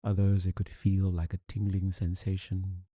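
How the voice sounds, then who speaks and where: A man leading a guided meditation as a teacher, speaking calmly and soothingly with long, deliberate pauses. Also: low-pitched, slightly rough, no echo, studio quality.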